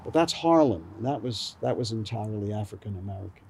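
An older man from New York recalling his childhood in a slow, rambling interview, with many fillers. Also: fairly low pitch, animated, vocal fry, darkish tone, a little hiss or hum. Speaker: author. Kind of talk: oral history interview.

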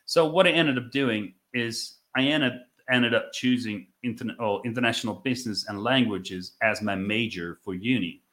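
Dutch man, reflective and halting. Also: mid-range voice, a bit bright. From Netherlands. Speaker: podcast guest, business owner. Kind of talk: conversational interview storytelling.

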